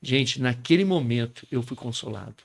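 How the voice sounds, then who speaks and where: A man's voice: mid-range voice, lively intonation, moderate pace, creaky. A man with a Brazilian Portuguese accent, a pastor earnestly telling a personal testimony as a podcast guest, often tagging his sentences with a question. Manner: earnest storyteller, often adds a tag question.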